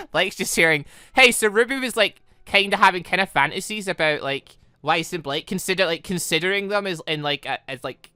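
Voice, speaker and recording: A woman's voice: lowish voice, expressive, moderate pace, sharp tone, no echo, studio quality, faint music behind. A woman giving casual, chatty let's-play commentary on a visual novel, rambling through giggly asides. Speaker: gaming video host.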